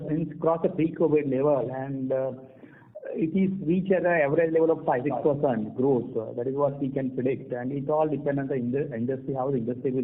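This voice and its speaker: A man with an Indian accent giving measured, halting answers as a company executive on an earnings call. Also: medium pitch. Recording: tinny narrow-band conference phone line.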